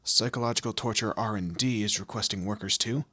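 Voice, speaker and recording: A man playing a commanding, teasing demon lord in an audio roleplay, with a low gravelly, husky voice and an imperious, theatrical manner. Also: fairly quick, pushed and bright, no room sound. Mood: irritated, amused. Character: male demon lord, commanding, menacing, teasing boss of hell. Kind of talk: scripted audio roleplay addressed to the listener.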